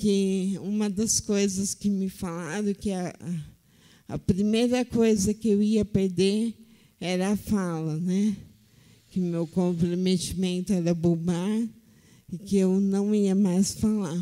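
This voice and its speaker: On a very clean recording with a silent background, a woman with a dark, mellow tone speaks at a very slow pace with fairly even intonation and long, frequent pauses. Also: medium pitch for a woman. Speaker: lay preacher. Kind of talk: sermon. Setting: church. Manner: talkative.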